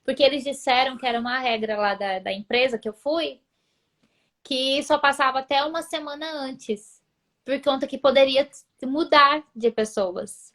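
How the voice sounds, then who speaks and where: A woman's voice: sits high, normal speed. A young woman chatting casually as a guest, telling stories with animation and her voice jumping up when she gets to the dramatic parts. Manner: animated storyteller, voice jumps up when retelling. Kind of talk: casual chat.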